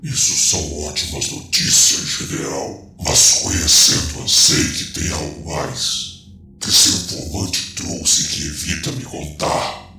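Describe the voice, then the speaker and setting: Very deep gravelly villain overlord. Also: male voice, pushed and bright, exaggerated voice. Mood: smooth menace. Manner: pompous, deliberate. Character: menacing commanding male villain overlord, slow and condescending. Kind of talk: audio drama villain acting. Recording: roomy reverb over music bed.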